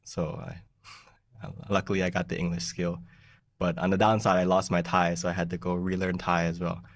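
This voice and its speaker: Low-voiced young monk, easygoing. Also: male voice, flat delivery, normal speed, no echo, clean studio sound, far from the mic. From United States. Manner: easygoing, laughs often, clears throat. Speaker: meditation teacher, monk. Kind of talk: relaxed teaching talk over a video call. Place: small plain room indoors. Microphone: large desk mic in front of him.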